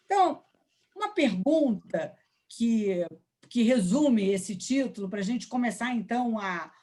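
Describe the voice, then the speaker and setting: A woman's voice: a little high, animated, unhurried, dark tone. A woman with a Brazilian accent, moderating a live business panel.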